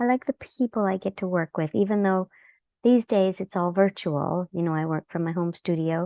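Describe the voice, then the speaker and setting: With an American accent, a woman talks at a moderate pace and medium pitch in a dark, mellow tone, the sound dry and close with no echo over a quiet background. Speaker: voice actor. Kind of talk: interview answer. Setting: home or hotel room, remote interview.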